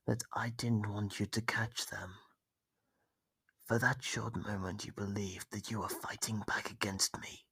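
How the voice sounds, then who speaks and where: A man voicing a smug, sadistic monster captor in a horror ASMR roleplay, with a gravelly, husky voice that often sinks to a whisper, taunting in a theatrical drawl. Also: low-pitched, a bit bright, no echo, full character voice. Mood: hushed menace. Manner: slow, taunting, theatrical drawl with drawn-out pauses. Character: sadistic male monster captor, smug, menacing, toying with prey.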